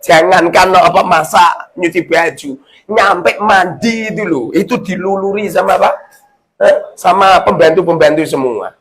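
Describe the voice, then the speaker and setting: A man gives a storytelling religious lecture in a fairly high voice. His delivery is animated and jokey, jumping from loud bursts to hushed asides. He keeps turning to his listeners with quick questions. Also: slight background noise. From Indonesia. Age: 40s. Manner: addresses the audience often with tag questions. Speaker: Islamic preacher.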